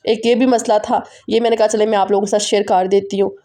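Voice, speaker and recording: A woman vlogger with a Pakistani Urdu accent, chatting quickly and directly to her viewers in a casual voice-over. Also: medium pitch, level tone, dark tone. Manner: fast, run-on, talking straight to viewers.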